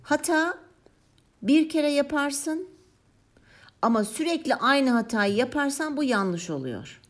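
A woman's voice: sits high, very animated, slow pace. A woman in casual conversation who explains her reflections thoughtfully, with a playful, self-mocking touch.

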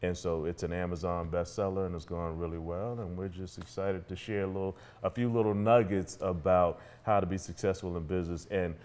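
Deep-voiced African American man in conversation. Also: steady tone, fairly quick, hardly any pauses, darkish tone. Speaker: podcast guest, entrepreneur and author. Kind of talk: casual conversational interview.

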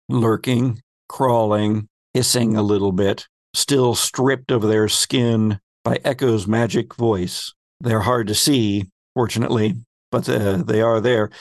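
A male game master recaps a tabletop story at an unhurried pace. His storytelling is measured and dramatic, in a mid-range voice. The sound is dry, with no room to it. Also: mid-range voice, dry recording. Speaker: game master and podcast host.

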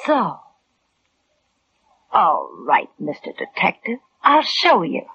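An actress playing a tough-talking, defensive carnival dancer, slangy and snappy, in an old radio crime drama. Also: female voice, fairly low pitch, wildly swooping pitch, slow pace, vocal fry, husky, heavily acted. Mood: angry, defiant. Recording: muffled, hissy vintage radio recording.

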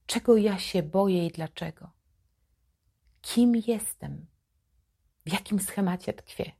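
A woman hosting a psychology channel, giving an advice monologue to her viewers in a slow, emphatic, deliberate way. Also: mid-range voice, gravelly, mellow, husky.

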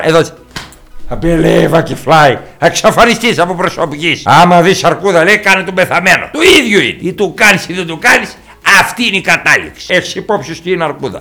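A man's voice: fairly high pitch, pushed and bright. A man playing a blunt, boastful rural uncle with a rural Epirus accent, who swears freely and tells tall tales in an improvised comic monologue. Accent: rural Epirus Greek. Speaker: comic character reacting to videos.

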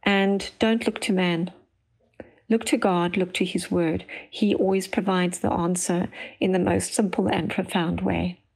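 A woman's voice: on the low side, steady tone, unhurried, gravelly, darkish tone, breathy edge, poor audio. A woman giving a faith testimony, firmly laying out her advice point by point. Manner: firm, instructive, lists points. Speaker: church member giving a testimony.

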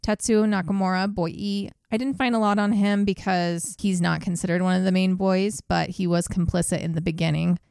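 A woman's voice: lowish voice, steady tone, a little fast, creaky, hardly any pauses, a little mellow, clear, resonant tone, no room sound, clean studio sound. A woman co-hosting a podcast, telling a true crime case in a blunt, casual way with swearing. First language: English. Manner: blunt, swears, laughs at grim moments.

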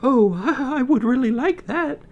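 A man voicing a sweet, timid young girl in a read-aloud fairy tale, in a high, light voice. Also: animated, unhurried, mellow, dull audio, exaggerated voice. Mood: gentle.

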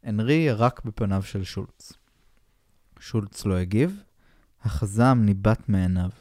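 Deadpan man reading a pulp novel aloud. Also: fairly low pitch, no room sound, studio quality. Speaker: podcast co-host reading aloud.

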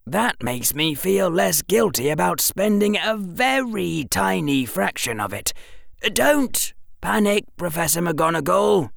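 A woman's voice: on the low side, expressive, takes it slowly, creaky, dry recording, studio quality, pitched above the performer's own voice, heavily acted. A woman voicing a clever, eager eleven-year-old boy who argues in an earnest, wheedling way. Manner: earnest, wheedling, lawyerly reasoning.

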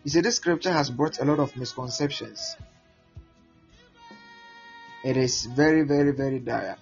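A man's voice: medium pitch, moderate pace. A Ghanaian man preaching a teaching sermon, repeating words often as he explains. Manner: repeats words, animated, acts out prayers and voices. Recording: muffled lo-fi with faint music.

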